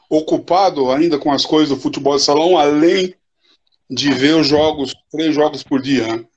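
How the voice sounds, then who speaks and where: An older man, a futsal coach, talking in an unhurried, reflective way as a guest in a casual live interview over a video call. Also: fairly high pitch, dull audio.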